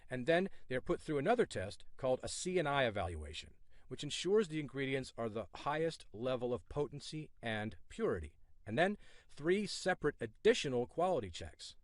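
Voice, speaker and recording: A man reading a scripted sales pitch in a smooth, reassuring salesman manner, from the United States. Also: sing-song, moderate pace, no room sound, clean studio sound. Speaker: ad presenter.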